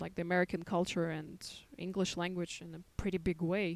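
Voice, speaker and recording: A woman with a Russian accent talks at a fairly low pitch and a moderate pace. The recording is very clean, with a silent background. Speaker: English teacher. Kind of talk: casual chat.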